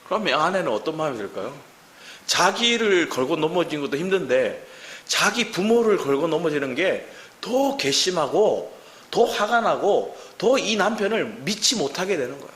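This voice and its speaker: A man's voice: a little high, sing-song, normal speed, fairly bright tone. A man in his thirties with a Gyeongsang Korean accent preaching a sermon as pastor, asking the congregation many questions. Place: church sanctuary. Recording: roomy church hall with faint hiss.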